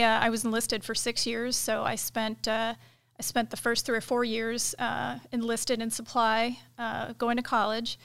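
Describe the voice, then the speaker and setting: Woman in her 40s, flat steady delivery with gravel, measured guest answers, dry close sound. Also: fairly high pitch, no echo. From United States. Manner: measured, thoughtful, many filler pauses. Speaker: KC-135 pilot and inspections director, guest. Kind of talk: casual interview answers.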